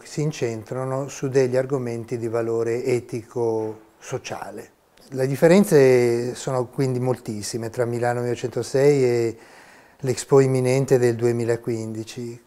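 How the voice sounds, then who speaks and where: Un professore universitario sulla sessantina, che risponde a un'intervista in modo pacato e didattico, registrato con un microfono a clip in un piccolo ufficio. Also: male voice, mid-range voice, dark tone. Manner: measured, explanatory, gesturing with his hands. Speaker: history of science professor. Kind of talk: interview answers. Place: small university office. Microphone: lapel mic.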